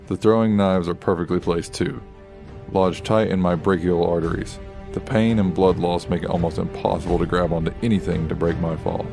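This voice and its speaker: A low-pitched, brooding male vigilante speaks with grave control over a music bed. His delivery is terse and serious, in the style of a comic-book radio drama. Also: fairly even intonation, a little fast, gravelly. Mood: grave, tense. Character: grim, brooding masked male vigilante detective in his prime. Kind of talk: dramatic narration and dialogue in a comic audio drama. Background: background music.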